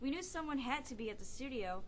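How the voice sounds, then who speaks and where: A woman's voice: high-pitched, lively intonation, fast, slight background noise. A young woman playing a tough, bossy survivor in an amateur zombie horror radio drama, speaking bluntly and with command. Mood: tense, impatient.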